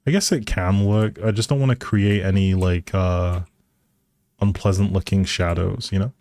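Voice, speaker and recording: A man's voice: low voice, fairly even intonation, moderate pace, a little mellow, dry recording, clean studio sound. A man giving casual live game commentary as a streamer, musing aloud in a hesitant way.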